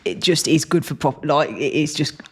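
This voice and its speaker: A woman's voice: low-pitched, moderate pace. A woman with a Black Country accent co-hosting a podcast in casual chat, easygoing and agreeable, often answering with short "yeah"s. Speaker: podcast co-host.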